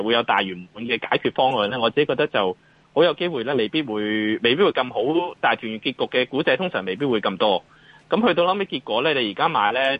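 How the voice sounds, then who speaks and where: A man's voice: medium pitch, no room sound, muffled recording. A man with a Hong Kong Cantonese accent giving off-the-cuff market commentary as an analyst, in a hesitant way that circles back over phrases.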